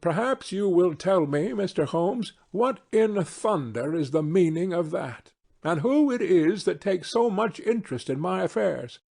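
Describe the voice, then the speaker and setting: A man's voice: high-pitched, animated, unhurried, vocal fry, darkish tone, voice pushed up, full character voice. A man reading an audiobook as a sturdy, forthright baronet of thirty, blunt and emphatic. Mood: indignant.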